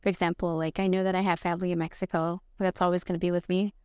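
Soft-toned reflective woman, flat delivery. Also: on the low side, fast talker, clean tone, no room sound, clean studio sound. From Atlanta, US. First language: Spanish. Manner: thoughtful, frequent ums and likes. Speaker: art teacher. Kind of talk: reflective podcast interview.

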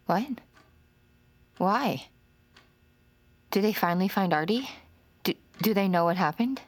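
An actress playing a haunted, grieving middle-aged mother, speaking in a hushed, weary, half-whispered way in an audio drama. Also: medium pitch, expressive, measured pace, dry recording. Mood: bitter.

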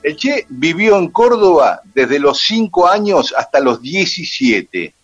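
A man's voice: fairly high pitch, big pitch swings, takes it slowly, breathy edge, highs cut off, soft background music. A man with an Argentine accent, telling a story on a radio show in a chatty way, with many "este" and "eh" fillers. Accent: Argentine Spanish. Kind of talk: casual radio chat, storytelling.

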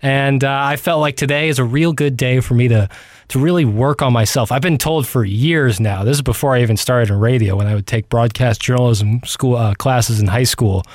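A man's voice: mid-range voice, fairly quick, no room sound. Male co-host for casual sports talk; mock-earnest, self-effacing, recorded tight and dry. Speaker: radio producer and co-host. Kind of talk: casual sports radio banter. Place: radio studio. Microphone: close studio microphone.

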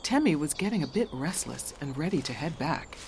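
A woman narrating a speculative audio drama as a measured storyteller with scripted delivery. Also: low voice, animated, background noise. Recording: birds and crickets behind the voice.

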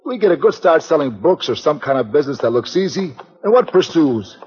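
An actor playing a big, dim-witted male strongman who talks slowly and ungrammatically, in 1940s radio acting. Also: a little high, sing-song, darkish tone, breathy edge, full character voice. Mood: grumbling. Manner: slow ungrammatical speech. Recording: dull old radio recording with reverb.

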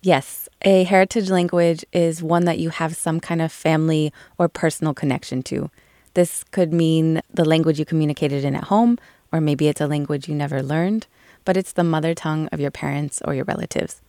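A podcast producer, a woman, explaining a topic to the host in a clear, relaxed way. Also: low-pitched, moderate pace, no room sound, clean studio sound. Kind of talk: conversational explainer.

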